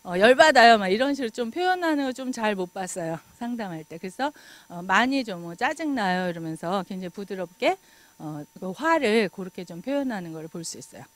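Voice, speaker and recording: A middle-aged woman giving a lecture in an animated way, laughing often and acting out remarks. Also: mid-range voice, brisk, no echo.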